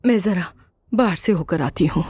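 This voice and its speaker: A woman's voice: on the low side, animated, moderate pace, dark tone, breathy edge, dry recording, studio quality. A middle-aged woman voicing a worried, protective mother who questions her daughter in a dubbed TV drama. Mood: distressed. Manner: anxious, questioning.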